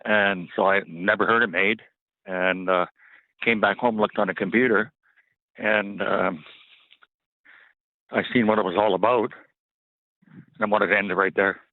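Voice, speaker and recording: A man phones in to a radio call-in show. His voice sits low and comes through a tinny telephone line with a dry sound. He tells his story haltingly and with emotion, often stopping to restart. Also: fairly even intonation, no echo. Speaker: caller.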